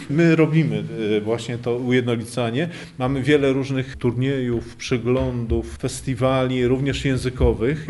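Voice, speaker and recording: A man's voice: medium pitch, a little mellow. A man, a poet and language activist, explaining things at length in an interview, with frequent hesitation fillers along the way.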